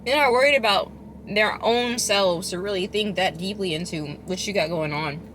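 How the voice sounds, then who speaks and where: A woman chatting casually as a food vlogger, chewing while she talks, rambling and expressive with emphatic delivery. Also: medium pitch, normal speed, background noise. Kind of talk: casual chatty eating vlog.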